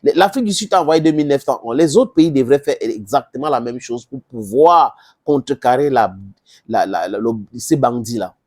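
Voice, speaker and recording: Cameroonian commentator, english is first language, soft-edged mellow tone but really animated pitch, firing rhetorical questions at viewers. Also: moderate pace. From Southern Cameroon. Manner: emphatic, rhetorical questions and repetition. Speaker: political commentator addressing viewers. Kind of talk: impassioned informal political commentary.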